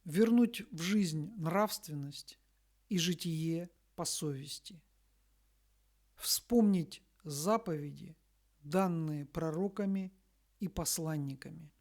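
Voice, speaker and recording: A woman reads a scripted spiritual message in a solemn, deliberate manner, pausing between short phrases. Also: low voice, darkish tone. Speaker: spiritual messenger reading a message.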